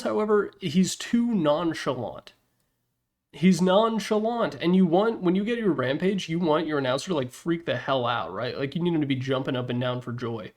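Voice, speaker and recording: A man giving casual, opinionated video game commentary as a presenter, speaking informally with slangy emphasis. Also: fairly high pitch. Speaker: presenter ranking game announcer packs.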